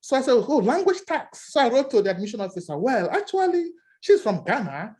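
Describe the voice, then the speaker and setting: A man with a Nigerian accent, giving animated seminar remarks as an academic discussant and telling stories with many repeated words. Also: extremely high pitch, a little fast.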